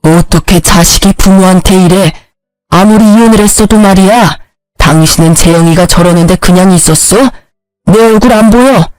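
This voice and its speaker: A woman's voice: medium pitch, moderate pace, darkish tone, no room sound, faint music behind, natural voice, rough recording. Brief: woman voicing a selfish middle-aged ex-husband, whiny and demanding, dry audio-story read. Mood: whining. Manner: whining, demanding.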